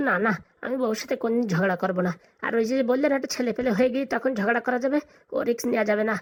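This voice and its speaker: A woman's voice: fairly high pitch, racing, lightly acted. A woman voicing a nervous, balding young bridegroom in a comic cartoon, hesitant and deferential. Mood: nervous, pleading.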